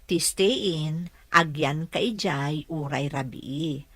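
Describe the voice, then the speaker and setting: A woman playing a humble, hard-up mother and household helper in a radio drama, gentle and deferential. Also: deep voice, slow pace, breathy edge, no echo, exaggerated voice. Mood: gentle, motherly.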